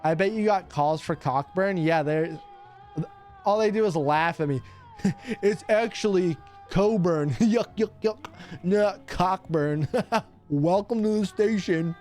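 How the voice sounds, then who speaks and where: A man's voice: sits high, measured pace, darkish tone, faint music behind. A young man, a radio host streaming casually while opening cards, teasing his chat and laughing often.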